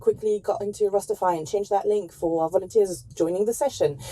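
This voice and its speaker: This woman talks at a fairly quick pace. Her intonation is lively. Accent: French. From France. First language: French. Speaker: volunteer manager at a charity. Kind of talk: interview.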